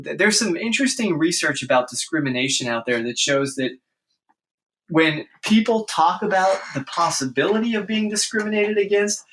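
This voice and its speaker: A man's voice: on the high side, a bit bright, rough recording. A man, a speech-language pathologist, explaining his work in an earnest, conversational podcast interview with frequent restarts.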